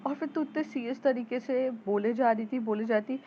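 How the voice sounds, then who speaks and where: A woman voicing a playful teenage girl student who teases and banters excitedly, in a storytelling recording. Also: a little high, a little fast, lo-fi sound, a little hiss or hum, voice pushed up, lightly acted. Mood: teasing, loud.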